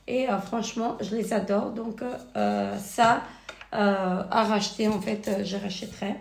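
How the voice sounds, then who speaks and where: A woman with a cold and a hoarse voice, hesitantly reviewing finished beauty products in a casual vlog. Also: a little high. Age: married adult. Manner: hesitant, many fillers and restarts. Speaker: beauty vlogger. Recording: echoey room.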